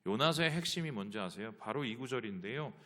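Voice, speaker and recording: A man's voice: medium pitch, expressive, fast talker, bright, forceful tone. A male pastor preaching a sermon, asking the congregation rhetorical questions.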